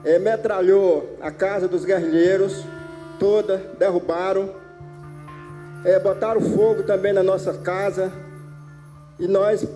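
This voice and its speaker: A Brazilian man giving personal testimony as a witness, in simple halting phrases. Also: sits high, steady tone, mellow, soft background music.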